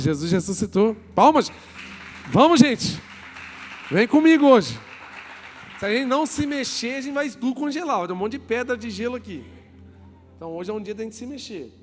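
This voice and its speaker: A man with a high voice preaches to a congregation in a church, joking with the crowd, asking them questions and calling for applause. His voice rings out with a long reverb in the church hall. Soft music plays underneath. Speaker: pastor. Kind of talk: lively sermon to a congregation.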